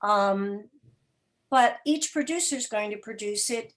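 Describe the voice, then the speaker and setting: A woman giving thoughtful, deliberate and articulate explanations as a producer being interviewed. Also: medium pitch. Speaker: guest, radio drama podcast producer.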